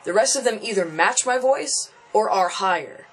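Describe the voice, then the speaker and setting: Expressive and speaking at normal speed, a young transgender vlogger vents casually to the camera in a high, somewhat bright voice with a breathy edge. He's frustrated and thinking aloud, often restarting and repeating phrases.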